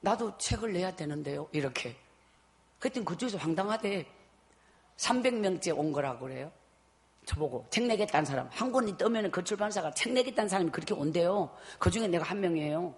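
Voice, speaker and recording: A middle-aged woman, giving an emotional personal faith testimony that swings from loud pleading to a hushed murmur. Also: fairly low pitch, expressive, a little fast. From Guryongpo area, South Korea. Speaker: testimony speaker.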